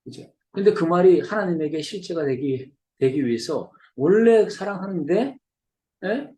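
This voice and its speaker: A man delivering a sermon with a slightly raised pitch and a mellow, dark tone. He preaches conversationally, often turning to the congregation with quick questions. The sound carries the echo of a reverberant church room. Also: expressive. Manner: conversational preaching, checks in with listeners. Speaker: missionary preacher. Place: church hall.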